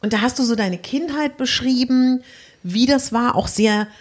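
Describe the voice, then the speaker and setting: A woman hosting a casual interview podcast, chatting with her guest in an apartment in a lively conversational way. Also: on the high side, normal speed. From Germany. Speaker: podcast host.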